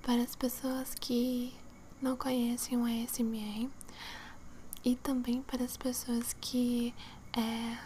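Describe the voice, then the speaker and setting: A young adult woman whispering breathily in ASMR style, close to the mic, soothing and softly repeating words to relax the listener. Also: fairly high pitch, little pitch movement, slow, slight background noise. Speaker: ASMR video host. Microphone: close to the mic, face near camera.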